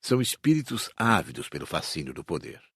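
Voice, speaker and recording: A man with a Brazilian accent playing a calm, wise spirit teacher in an audiobook, explaining things in a measured, didactic way. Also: low-pitched, slightly rough, no room sound, clean studio sound, exaggerated voice. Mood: patient, didactic. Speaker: audiobook voice actor. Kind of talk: audiobook dramatised reading.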